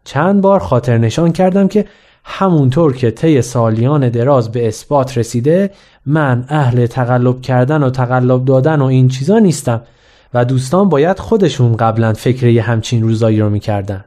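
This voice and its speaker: A man's voice: mid-range voice, mellow. A man narrating a humorous school memoir in a wry, self-mocking way. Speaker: storyteller.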